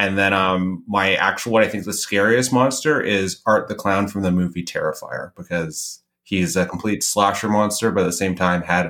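A bright, sharp tone with a Canadian accent, fairly even intonation and a moderate pace. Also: man, very clean recording, silent background. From Canada. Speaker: screenwriter and horror website runner. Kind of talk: casual chat.

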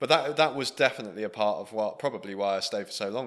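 On a very clean recording with a silent background, a man with a southern English accent talks very fast at a medium pitch with ordinary pitch variation. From southern England, Buckinghamshire. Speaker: entrepreneur, digital marketing agency owner. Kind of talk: interview, casual chat.

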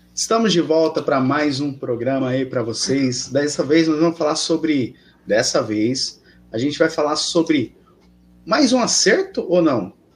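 With music playing behind him, a man with a fairly high voice speaks fairly slowly and with lively intonation. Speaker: podcast host. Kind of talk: casual live-stream chat. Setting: live stream.

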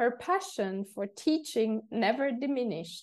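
Against a quiet background, a woman speaks in a high voice. Her intonation is lively. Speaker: podcast host. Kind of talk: interview. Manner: warm, encouraging.

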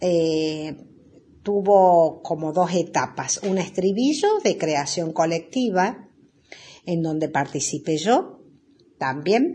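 A woman speaks at a very slow pace with long, frequent pauses. Her fairly low voice is somewhat breathy. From La Rioja, Argentina. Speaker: singer-songwriter. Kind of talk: recorded message introducing a song.

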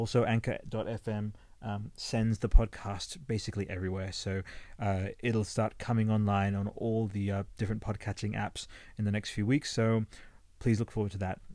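A man's fairly low, dark and mellow voice in a monotone, flat delivery at a moderate pace, on a very clean recording with a silent background. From Australia. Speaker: podcast host. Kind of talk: casual solo commentary. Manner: halting, many fillers.

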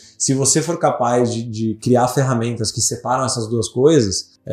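Over a silent background in a very clean recording, a somewhat breathy voice with a dark, mellow tone talks at a very fast pace. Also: man. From Brazil. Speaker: quantitative fund manager. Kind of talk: podcast interview. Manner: hesitant, many fillers.

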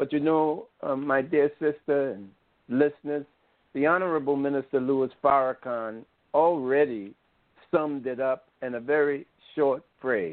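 A man with a normal speaking voice, fairly high in pitch, at a fairly slow pace with ordinary pitch variation. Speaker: co-host of own show. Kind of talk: radio interview.

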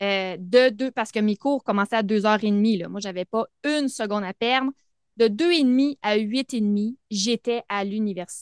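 The recording is dry and close with no echo, and the background is quiet. A woman speaks at a fairly slow pace in a fairly high pitch with ordinary pitch variation. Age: 30s. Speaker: podcast host and wellness coach. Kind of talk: personal testimony monologue. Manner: animated.

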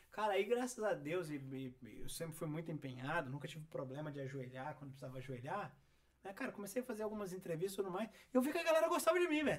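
A man talks very fast in a high voice. Noticeable background noise runs underneath. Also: lively intonation. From Minas Gerais, Brazil (small town in the south). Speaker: digital business founder and CEO. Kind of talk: casual podcast interview.

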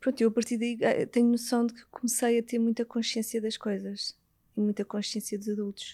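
Her fairly high pitch carries a dark, mellow tone as a woman speaks at a moderate pace with monotone, flat intonation and big swings in loudness, in a dry, close sound with no echo and a very clean recording with a silent background. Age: 40s. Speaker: podcast guest, host's cousin. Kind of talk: personal life story interview.

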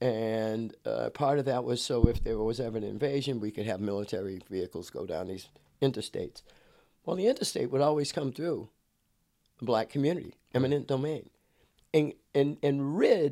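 A dark, mellow voice with an American accent moves at a moderate pace, broken by long, frequent pauses. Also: man. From Massachusetts (Cambridge). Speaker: recovering alcoholic sharing faith story. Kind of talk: testimony. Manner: halting.

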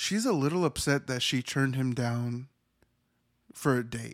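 The recording is very clean, with a silent background and a dry, close sound with no echo. A man speaks with ordinary pitch variation. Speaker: horror podcast host. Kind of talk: solo movie review. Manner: casual, halting with fillers.

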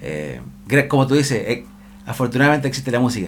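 A man with a Chilean accent and a fairly high pitch, over music in the background. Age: 30s. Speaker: podcast host. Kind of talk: casual chat.

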